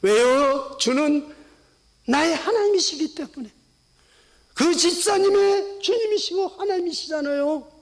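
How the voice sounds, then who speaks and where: A middle-aged male pastor preaching an impassioned sermon, swinging from hushed tones to shouts. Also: very high voice, expressive, unhurried.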